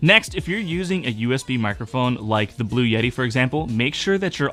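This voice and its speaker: With music in the background, a man talks fairly quickly at medium pitch, his intonation lively. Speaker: streaming tech youtuber. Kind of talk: tutorial.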